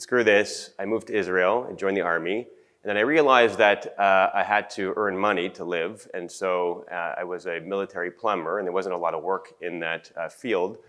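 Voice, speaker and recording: A man's voice: low-pitched, a bit bright. Groggy chatty man on stage. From Canada. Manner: chatty, self-deprecating, many fillers and restarts. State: groggy morning voice, clears throat. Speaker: conference speaker. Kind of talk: casual conference talk. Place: conference room. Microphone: handheld mic.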